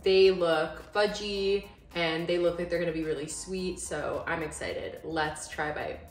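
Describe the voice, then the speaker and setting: A woman's voice: on the low side, fairly even intonation, a little slow, faint music behind. A young adult woman talks casually as a food vlogger hosting recipe reviews, informal and sprinkling in "like" as she goes. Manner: informal, frequent "like" as filler.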